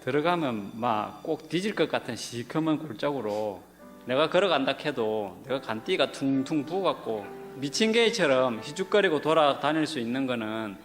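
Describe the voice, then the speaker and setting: A man with a Gyeongsang dialect giving a comic, loud and folksy dialect reading of a scripture passage. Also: medium pitch. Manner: loud, rough and folksy, drawn-out delivery. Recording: played recording in a reverberant hall with music behind.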